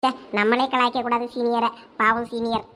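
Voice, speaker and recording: A woman's voice: fairly high pitch, flat delivery, heavy background noise, lightly acted. A woman voicing a nosy, teasing young village woman in a cartoon, with a Thoothukudi Tamil accent. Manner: nosy, fast-talking, teasing. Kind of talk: cartoon voice acting.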